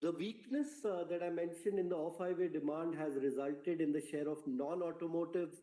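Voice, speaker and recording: A man speaking as a company executive, giving a prepared earnings presentation on a conference call in a measured, formal corporate manner. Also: a little high, warm tone. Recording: roomy, echoing conference call audio.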